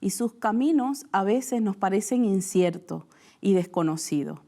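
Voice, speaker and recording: A woman's voice: medium pitch, animated, measured pace. A woman from Venezuela with a Venezuelan accent, hosting a Christian TV talk show in a studio and asking questions in a conversational way. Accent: Venezuelan Spanish. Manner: warm conversational questioning, frequent "mira". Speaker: host.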